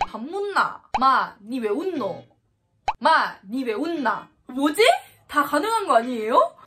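A young woman from Thailand speaks with a Thai accent in a high, very expressive voice. She talks casually to the camera in a small room and reacts loudly. Background music plays clearly under her voice. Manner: animated, exclaims loudly at answers. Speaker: vlogger. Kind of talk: casual quiz vlog.

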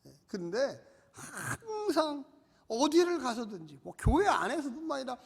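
A man's voice: very high voice, big pitch swings, moderate pace, creaky, slightly rough. A male pastor preaching a sermon in a church, urging the congregation to repeat phrases and respond. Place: church sanctuary. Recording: long church-hall reverb.

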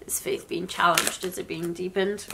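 A young woman in her twenties gives a slow, reflective tarot reading, sounding sniffly from a cold. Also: lowish voice, level tone, gravelly, background noise. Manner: soft, slow and reflective, with occasional small laughs. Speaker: tarot reader. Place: indoors, in front of a floral blanket.

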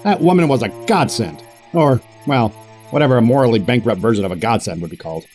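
An actor playing a wry, squeamish middle-aged corporate boss, narrating an audio drama in wordy, pompous style. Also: male voice, mid-range voice, lively intonation, quick pace, darkish tone, faint music behind, natural voice.

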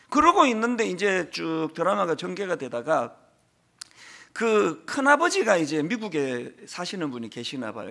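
A middle-aged man preaching a sermon as pastor, telling a story and moving between quiet asides and loud emotional peaks. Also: high-pitched, gravelly.

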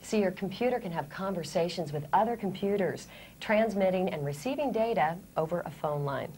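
Low-pitched American woman presenter. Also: expressive, brisk, a little mellow, slight background noise. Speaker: training video presenter. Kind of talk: scripted instructional presentation. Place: indoor studio set.

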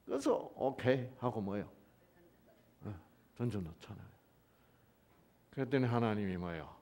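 A man's voice: lowish voice, animated, moderate pace, darkish tone. A man retelling a Bible story as a lecture, firing off rhetorical questions to his listeners. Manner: keeps asking rhetorical questions. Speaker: health lecturer teaching the Bible.

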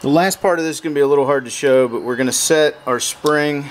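A man's voice: on the high side, fast, slight background noise, rough recording. A man walking through a repair step by step in a plain, practical way while he works with his hands at a truck bed. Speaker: motorcycle repair how-to host. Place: outdoors at a pickup truck bed workbench.

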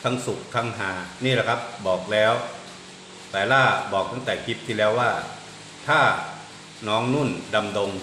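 A man hosting a news vlog, narrating energetically with drawn-out emphasis. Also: medium pitch, fairly even intonation, bright, forceful tone, echoey room, a little hiss or hum. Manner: upbeat announcer delivery with drawn-out emphasis.

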